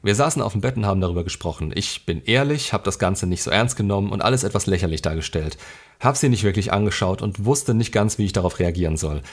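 A man's voice: deep voice, quick pace. A man hosting a show, reading a viewer's relationship story aloud and commenting on it bluntly and sarcastically.

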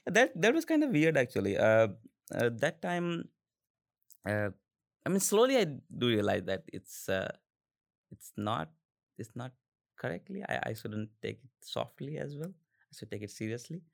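A man in his twenties with an Indian accent, a podcast guest telling stories casually with halting restarts and fillers. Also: mid-range voice, sing-song, gravelly. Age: 20s. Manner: halting, many restarts and fillers, laughs often. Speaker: interview guest. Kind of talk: casual conversational storytelling.

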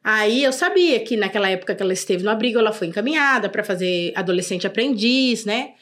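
A woman's voice: mid-range voice, fast talker. A middle-aged Brazilian woman, a social services official, telling earnest stories from her work in a casual podcast chat. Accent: Brazilian Portuguese. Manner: earnest, animated storyteller.

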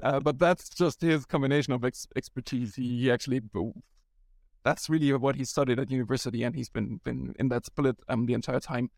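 A man's voice: medium pitch, fairly even intonation, brisk, gravelly, no echo. German man, founder chatting on a podcast. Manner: rambling, frequent restarts and ums. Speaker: startup founder guest. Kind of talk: casual business interview.

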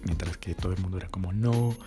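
Brief: low-pitched male dating coach talking to the viewer, music underneath. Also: moderate pace. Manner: coaching, addresses the viewer directly. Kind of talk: dating advice monologue.

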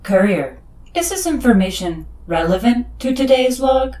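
Formal female ship computer, lively intonation. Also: a little high, normal speed. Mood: literal, matter-of-fact. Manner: formal, precise, literal. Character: formal, literal-minded female shipboard computer assistant. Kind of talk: audio drama acting.

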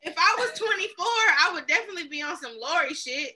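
A woman with an African American accent speaks in a high, strikingly bright and forceful voice. She chats casually and gives her opinions with emphasis, leaning on slang and swearing freely. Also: expressive, quick pace, slight background noise.

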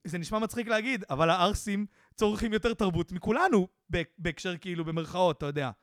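A man's voice: high-pitched, no room sound, studio quality. A young man co-hosting a podcast, chatting casually and chiming in with asides. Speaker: podcast co-host. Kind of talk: casual chat.

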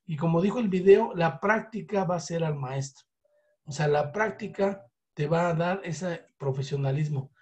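A Mexican-accented man with a high-pitched voice runs a motivational sales training session. His coaching manner keeps breaking into quick acted-out sample calls to show how a conversation should go. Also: a little mellow.

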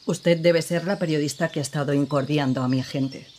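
A woman playing a guarded female opera singer, widow of a fallen man, who speaks in a cool, measured, evasive way in a radio drama. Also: deep voice, fairly even intonation, background noise, close to an everyday voice.

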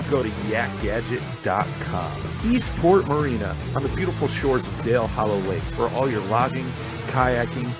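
A man reading a scripted show introduction in announcer delivery. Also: medium pitch. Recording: loud guitar music behind.

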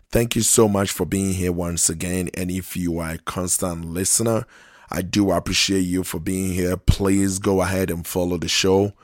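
Deep-voiced man, hoarse from losing his voice. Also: no room sound, clean studio sound. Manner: unhurried and conversational, repeats and restarts phrases. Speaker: podcast host. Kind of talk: casual solo podcast talk.

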